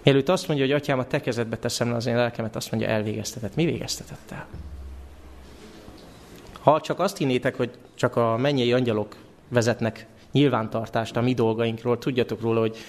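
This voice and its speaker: Man preaching an animated sermon. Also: mid-range voice. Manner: animated, asks the congregation questions. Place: church.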